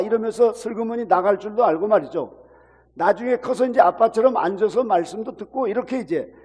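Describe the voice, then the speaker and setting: A man's voice: extremely high pitch, a little mellow, breathy edge, long reverb tail. A man preaching a sermon to a congregation, illustrating his points with acted-out everyday examples. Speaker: pastor.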